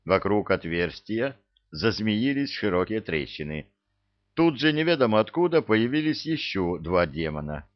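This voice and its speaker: A man with a low voice narrates a story expressively, his pitch rising and falling widely. The recording is dull and lo-fi. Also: big pitch swings, measured pace. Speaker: audiobook reader. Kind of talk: scripted audiobook narration. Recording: dull lo-fi audio.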